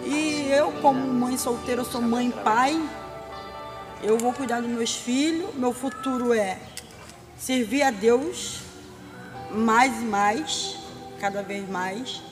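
A woman in her twenties giving a measured video testimony. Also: fairly high pitch, long reverb tail. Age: 20s. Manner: slow, measured. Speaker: testimony speaker. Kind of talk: recorded testimony. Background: music.

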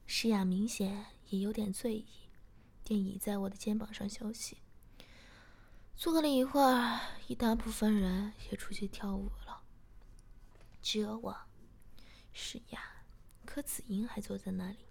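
A woman reading a story aloud in a soft, breathy whisper. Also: mid-range voice, measured pace, pauses often. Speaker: story reader.

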